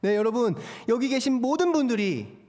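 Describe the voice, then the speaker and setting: A young male preacher with a strikingly high voice delivers an earnest sermon, his pitch rising and falling with lively emphasis. He keeps turning to the congregation with rhetorical questions. The long reverb of a church hall hangs behind every phrase. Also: normal speed. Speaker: assistant pastor preaching. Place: church sanctuary at a Friday prayer service.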